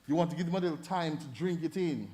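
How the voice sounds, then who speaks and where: A middle-aged Jamaican man giving feedback as a debate judge, animated and fond of demonstrating voices as he coaches. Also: fairly high pitch, quick pace. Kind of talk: feedback speech to an audience.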